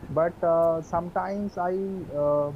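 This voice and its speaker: A man's voice: on the high side, steady tone, narrow, tinny audio, a little hiss or hum. Hesitant Bengali-accented young man. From West Bengal, India. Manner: hesitant, polite, many "uh" pauses, says "sir". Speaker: English learner. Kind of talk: conversation practice on a video call. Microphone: video call.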